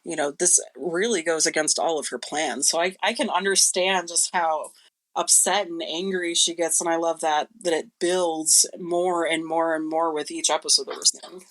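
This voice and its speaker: A woman's voice: sits low, steady tone, normal speed. A woman chatting casually as a guest on a creative podcast. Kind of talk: casual discussion.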